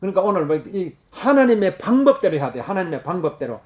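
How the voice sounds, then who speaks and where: A middle-aged man preaching a sermon, repeating key words and breaking into sudden loud exclamations. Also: high voice, big pitch swings, fast. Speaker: pastor.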